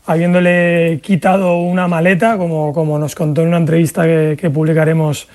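A man who works as a sports journalist, giving measured analysis on a radio panel. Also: a little high, level tone, darkish tone.

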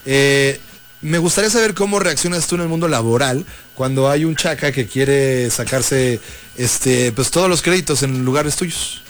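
A man's voice: mid-range voice, moderate pace, a little hiss or hum. Slangy, easygoing Mexican male co-host. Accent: Mexican Spanish. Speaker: radio co-host. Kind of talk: relaxed slangy radio chat.

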